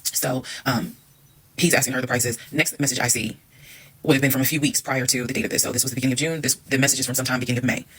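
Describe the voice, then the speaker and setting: A woman's voice: extremely low pitch, steady tone, racing, a bit bright, slightly rough, rough recording. A woman telling a dramatic personal story straight to her viewers in a casual, emphatic storytime style.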